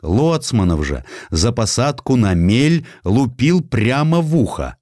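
A man narrating an audiobook of historical sketches in an expressive, theatrical, ironic manner. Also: medium pitch, takes it slowly, no room sound, studio quality.

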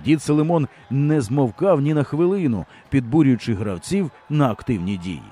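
Lively male audiobook narrator. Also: mid-range voice, moderate pace, breathy edge. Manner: lively storytelling. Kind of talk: scripted narration.

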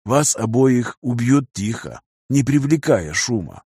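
A man voicing a calm, ruthless old patriarch in an audiobook, speaking slowly and quietly. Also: mid-range voice, breathy edge, no room sound, clean studio sound, heavily acted. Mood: cold calm. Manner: slow, measured, hushed. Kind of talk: audiobook character reading.

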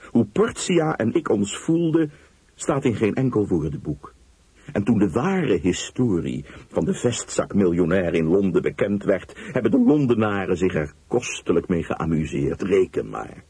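Husky male storyteller, lively reading. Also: fairly low pitch, measured pace, dry recording. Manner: expressive first-person narration. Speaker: storyteller, reader. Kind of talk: audiobook reading.

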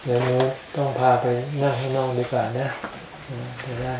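A man giving an informal Buddhist sermon as a monk, in a low-key murmur, with short phrases and pauses. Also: little pitch movement. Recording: echoey, dull lo-fi, noisy with insects.

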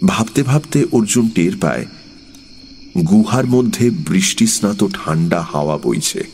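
Audiobook narrator: man, deep, slow, steady storytelling. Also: a little hiss or hum. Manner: measured, unhurried storytelling.

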